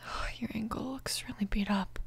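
A young woman of twenty playing a protective, tender yet commanding mafia boss in an ASMR romance roleplay, breathy and often half-whispering. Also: mid-range voice, fairly even intonation, normal speed, natural voice. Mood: tender, reassuring.

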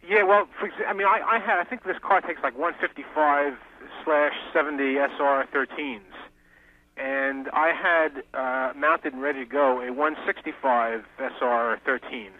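A man from Massachusetts calling into a radio show, hesitant, with many pauses and fillers. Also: medium pitch, steady tone, slight background noise. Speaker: caller. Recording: tinny phone line.

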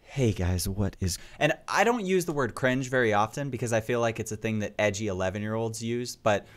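A young man in his twenties, a gaming YouTuber, commenting on his old videos with animated, self-mocking asides into a headset mic at home. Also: on the low side, a little fast. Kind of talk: reaction commentary. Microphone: headset with boom mic.

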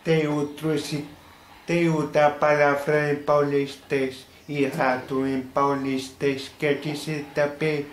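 A young male YouTuber with a Carioca Portuguese accent talks casually to the camera in a small room, his fairly high voice barely moving in pitch. He explains slang word by word, slowly and haltingly. The recording has a roomy echo and faint hiss.

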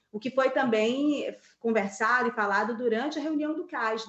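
A woman's voice: a little high, highs cut off. Brazilian lady talking politics on a video call, lots of ums and restarts, echoey room. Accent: Brazilian Portuguese. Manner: thinks aloud with many fillers and restarts. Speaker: political columnist. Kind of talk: live news commentary. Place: home office with map on wall.

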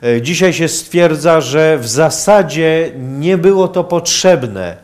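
Slow, halting older man lecturing. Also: fairly high pitch, animated, darkish tone. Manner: halting, hesitant phrasing with long pauses. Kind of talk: public lecture. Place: university lecture hall, indoors.

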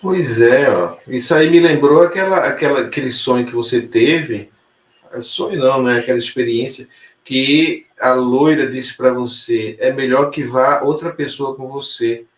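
A man interviews a guest at a calm, even pace, backing up what she says with reflections of his own. His voice sits at a middle pitch and bounces around an echoey room. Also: normal speed. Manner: calm, affirming, adds spiritual reflections.

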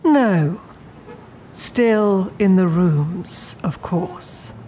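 In an audio drama, a woman voices a poised, menacing immortal demon, speaking in a genteel, coolly imperious way with a composed, reflective mood. Her voice is on the low side and mellow, with lively intonation and drawn-out words. Slight background noise is present.

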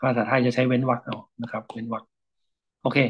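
A man teaches a reading class, walking through an article and stopping to explain grammar at an unhurried pace. His voice is a little husky, and the recording sounds muffled and lo-fi. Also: mid-range voice, flat delivery. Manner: unhurried, frequent polite particles and hesitations. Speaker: lecturer.

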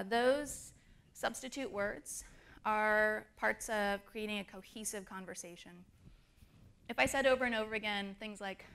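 A woman's voice: medium pitch, vocal fry, a bit bright. A woman speaker at a design conference, explaining her points with fillers and demonstrating intonation. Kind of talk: conference talk. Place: conference stage.

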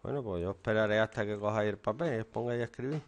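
Stern male teacher, low voice. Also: rapid-fire. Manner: stern, lecturing, scolding. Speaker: English teacher. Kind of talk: classroom teaching. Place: classroom.

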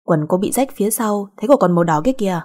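A woman's voice: mid-range voice, expressive, fast, darkish tone, close to an everyday voice. A woman voicing a stern, fussy grown man who speaks curtly and finds fault. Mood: reproachful. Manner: curt, reproachful.

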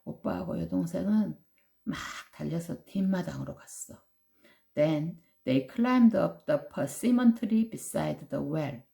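A woman reading a bedtime story slowly and gently, with whispered asides. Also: low voice, animated, creaky.

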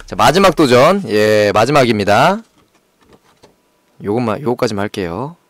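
A man's voice: medium pitch, lively intonation, moderate pace, no room sound. Jumpy, swearing Korean game streamer man. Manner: jumpy, swearing, frantic reactions to scares. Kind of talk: live horror game commentary.

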